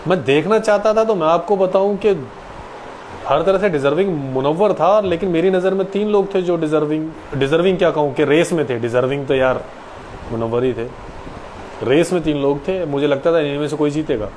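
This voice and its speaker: A man's voice: a little high, brisk, darkish tone, a little hiss or hum, rough recording. A man in his late twenties, an actor, answering viewers' questions casually and politely on a live stream. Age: 20s.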